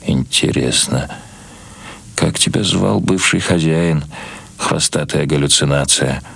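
A man's voice: a bass voice, takes it slowly, vocal fry, a bit bright, breathy edge, heavily acted. A man voicing a lonely old Russian émigré who muses to himself with self-mockery in a literary radio reading. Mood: wry musing. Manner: musing, talking to himself.

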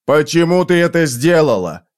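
A man's voice: on the high side, very animated, moderate pace, voice pushed up. A man voicing a tormented, scarred man torn between love and rage in a dramatic audiobook reading, with anguished outbursts. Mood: furious.

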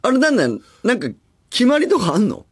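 A man in his forties, a radio host, talking in rambling casual chat with animated acted-out asides, in a studio. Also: extremely high pitch, quick pace, breathy edge. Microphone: studio microphone.

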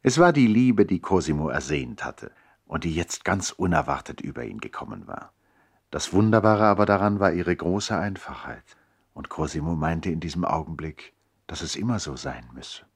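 An actor narrating a radio play as a reflective brother telling a tale in a measured, literary way, with a husky voice. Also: male voice, sits low, expressive, heavily acted. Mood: tender, reflective. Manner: measured storytelling.

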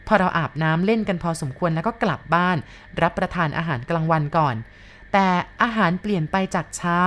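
A woman calmly narrating a first-person story as an audiobook reader, in a measured storytelling manner. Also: lowish voice.

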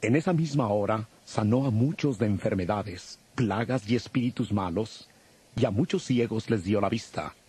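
Male scripture narrator, low and very husky, solemn storytelling delivery. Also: normal speed, a little mellow. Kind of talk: scripted narration of a dramatized audio Bible.

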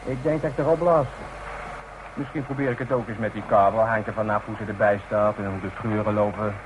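A man's voice: fairly low pitch, steady tone, a little fast, natural voice. An actor playing a cocky, teasing younger workman in a radio drama, with a brash, mocking and colloquial way of talking. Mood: confident. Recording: noisy old radio play recording.

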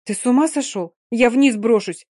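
A woman's voice: a little high, animated, fairly quick, no room sound, studio quality, voice pushed up, lightly acted. A woman reading a novel aloud, voicing a proud young Gypsy singer who speaks sharply and with passion. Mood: furious. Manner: sharp, impassioned.

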